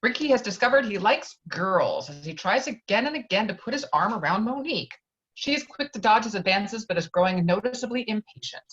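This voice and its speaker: A woman's voice: mid-range voice, lively intonation, brisk, a bit bright, lo-fi sound. A woman reading screenplay stage directions aloud as narrator of a table read.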